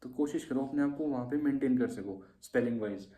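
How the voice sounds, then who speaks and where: A man with a mid-range, brisk, mellow voice speaks in a reverberant space, coaching shorthand exam students through a casual lesson on exam tips. His manner is informal and repetitive, and he keeps dropping in "theek hai."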